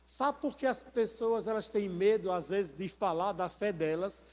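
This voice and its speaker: A man preaching from the pulpit in a high, ringing voice. He keeps prompting his congregation with questions and lets them finish his sentences. His words trail off into the long reverb of a church sanctuary. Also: measured pace. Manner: preaching with rhetorical questions and call-and-response prompts. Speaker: pastor. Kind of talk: sermon.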